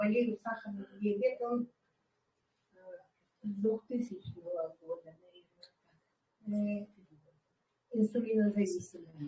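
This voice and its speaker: A woman's somewhat breathy, dark, mellow voice at a fairly slow pace with long, frequent pauses. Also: medium pitch for a woman, ordinary pitch variation. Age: 60s. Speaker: network marketing distributor. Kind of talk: testimony.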